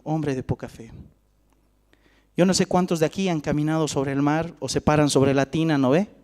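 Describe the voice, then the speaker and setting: A man preaching a sermon, telling the story with animation and asking his listeners questions. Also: fairly high pitch. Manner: animated storytelling, acts out voices, asks the audience questions. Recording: long hall reverb.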